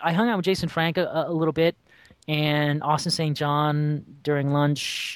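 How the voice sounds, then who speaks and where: A man with an American accent speaks in a plain, everyday voice at a fairly high pitch and a moderate pace. His intonation is fairly even and his loudness very even. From Northern California. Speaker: actor and stuntman. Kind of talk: interview.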